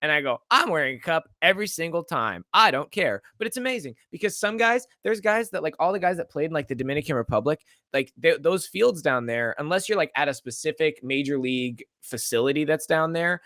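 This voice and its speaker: Young male podcast co-host, animated, joking storyteller with a bright, dry sound. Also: fairly high pitch, brisk, few pauses, dry recording. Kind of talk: casual chat.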